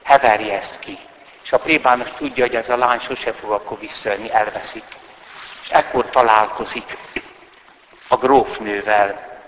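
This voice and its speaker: A man lecturing, retelling a novel's plot in a deliberate storytelling manner. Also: on the low side, fairly even intonation, fairly bright tone, slight background noise. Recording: roomy hall with long reverb.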